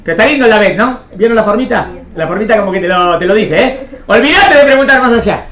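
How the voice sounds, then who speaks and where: A religion teacher with an Argentine Spanish accent, she talks fast in an expressive, medium-pitched, somewhat bright voice. Teaching a small class in an interactive lecture, she repeats phrases and frequently asks if things are understood, keeping a didactic tone.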